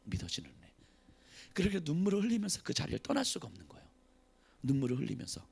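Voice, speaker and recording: A man preaches a sermon at a church service, his voice high-pitched with a gravelly edge. His delivery swings widely in pitch, surging into loud pleas and then dropping to hushed, almost whispered lines. The emotion never leaves his voice. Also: huge pitch swings, rapid-fire. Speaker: pastor.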